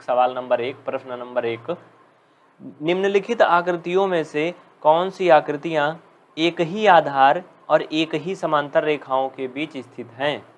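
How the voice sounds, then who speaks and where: Higher-pitched man teaching math, scolding. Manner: scolding, teasing students, reading out commenters' names. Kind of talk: live online class lesson.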